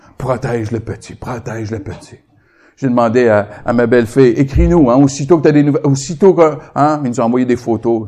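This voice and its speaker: This man talks at a fairly quick pace in a dark, mellow tone, medium in pitch with ordinary pitch variation. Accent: Quebec. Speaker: guest preacher. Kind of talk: sermon.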